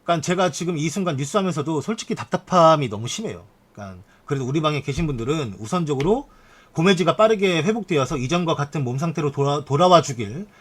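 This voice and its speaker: A man streamer reading news articles aloud on a live stream and adding frank asides to his chat. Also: on the high side.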